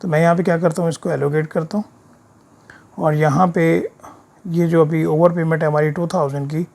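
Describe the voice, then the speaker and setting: Voicing over a screen share, a man with a sore throat explains accounting software step by step in an informal way, speaking fairly quickly in a steady, gravelly, slightly high voice. He frequently adds brief tag questions to make sure the learner keeps up.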